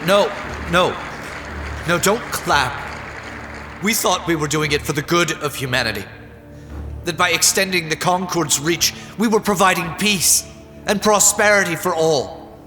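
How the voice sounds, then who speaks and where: An actor playing a nervous, earnest research assistant turned defiant whistleblower, speaking hesitantly as a trial witness. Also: male voice, fairly high pitch, animated, unhurried, long pauses, sharp tone. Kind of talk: audio drama testimony. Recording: echoing hall with music behind.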